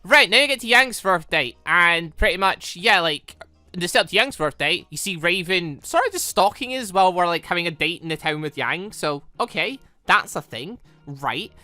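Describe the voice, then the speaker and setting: A man's voice: high voice, expressive, normal speed, pushed and bright, no room sound, soft background music. A man giving casual, rambling let's-play commentary as a gaming video host, often correcting himself mid-thought. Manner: rambling, self-correcting, informal.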